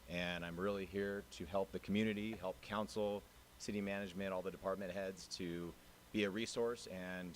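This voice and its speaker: A man with a very low voice gives brief, plain-spoken remarks as an incoming police chief. He sounds earnest and grateful, with background noise from the meeting room. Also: a bit bright. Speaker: newly introduced acting police chief. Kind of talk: short informal acceptance remarks. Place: city council chamber.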